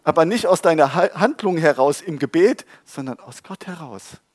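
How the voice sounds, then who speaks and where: A man delivers a sermon in a casual, animated way, teasing his audience and firing rhetorical questions at them. His voice sits a little on the high side. The sound is close and dry, with almost no room echo. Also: moderate pace. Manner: lively, conversational preaching with humor and rhetorical questions. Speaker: preacher. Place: church hall with a live audience.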